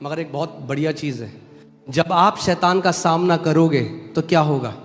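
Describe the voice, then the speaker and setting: A man's voice: fairly high pitch, moderate pace. A man preaching an emphatic sermon in a church hall, switching between Hindi and English. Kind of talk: sermon with interpreter. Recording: music bed, long hall reverb.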